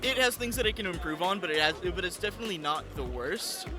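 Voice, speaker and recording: A man's voice: high voice, lively intonation, quick pace, over music. A young man from Texas giving eager, opinionated answers outdoors at an event. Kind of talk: casual interview answers.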